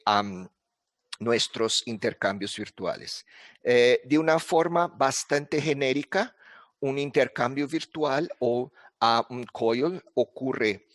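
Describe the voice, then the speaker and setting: Man, non-native speaker, academic talk, slow, halting with fillers, dry close sound. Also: mid-range voice, no room sound. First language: not Spanish. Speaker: conference presenter. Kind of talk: academic talk at an online congress.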